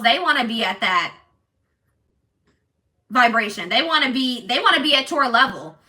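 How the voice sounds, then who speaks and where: A woman with a strong, loud voice giving a casual tarot reading to viewers in an assertive, emphatic, repetitive manner. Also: high voice, distant mic. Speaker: tarot reader and channel host.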